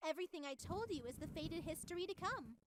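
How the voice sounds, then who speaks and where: A woman's voice: very high voice, expressive, fast talker, noisy background. A woman voicing an unhinged, childlike artificial superintelligence in a horror visual novel, theatrical and grandiose, swinging between sweet and menacing. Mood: composed, ominous. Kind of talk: scripted visual novel voice acting.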